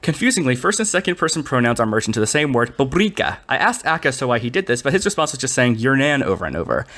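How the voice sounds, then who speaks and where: A man reads a comedic review script at a quick pace. His pitch swings widely and his tone is sharp and forward. He keeps a mock-serious manner, broken by exasperated asides. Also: big pitch swings. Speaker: reviewer of constructed languages.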